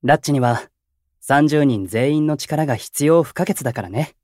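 A man voicing a calm, encouraging senior idol. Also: on the high side, moderate pace, dry recording, clean studio sound, natural voice. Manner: calm, warm-hearted, encouraging. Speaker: senior idol, mentor to the unit. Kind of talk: anime-style voice drama acting.

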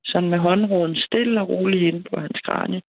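A woman with a fairly low, fairly even voice calls in to a night radio show, telling a story chattily and laughing between sentences. It's a casual phone-in, heard over a tinny telephone line with no echo.

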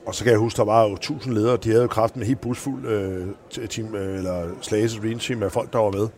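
A man, a former handball coach, telling animated stories in an interview and acting out the people he quotes. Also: fairly low pitch, slight background noise. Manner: animated, acts out quoted voices in anecdotes. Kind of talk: anecdotal interview storytelling.

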